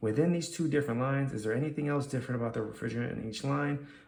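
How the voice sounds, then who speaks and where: A man with a fairly high pitch and a somewhat breathy voice talks at a very fast pace with fairly even intonation, with audible room echo around him. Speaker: HVAC student. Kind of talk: study session going over textbook answers. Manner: casual, halting with fillers; slurs words at times.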